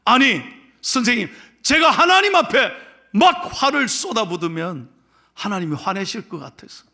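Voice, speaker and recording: A man's voice: high-pitched, very animated, normal speed, sharp tone, voice pushed up, full character voice. A male pastor voicing an angry young man who pleads indignantly.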